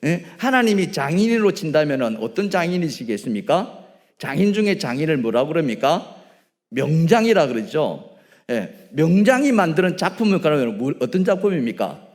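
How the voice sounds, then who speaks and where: A man preaches a sermon with a fairly high voice that swings widely, rising to emphatic peaks before falling to soft asides. He keeps asking his congregation questions. A long reverb hangs around his voice in the sanctuary. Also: sing-song, normal speed. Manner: asks the congregation frequent questions. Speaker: pastor. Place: church sanctuary.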